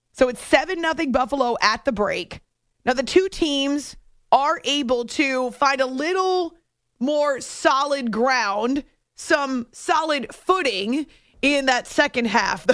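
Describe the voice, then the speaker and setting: A woman hosting a sports radio show in a chatty, animated monologue from a studio. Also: high voice, no echo. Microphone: close studio microphone.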